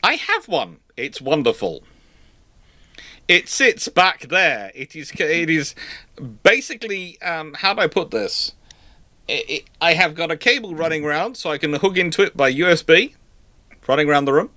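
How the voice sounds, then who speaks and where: A man's voice: on the high side, very animated, normal speed, bright, forceful tone, no echo. A man hosting a casual live question session, explaining things in an emphatic, rambling, chatty way. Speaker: livestream host answering questions.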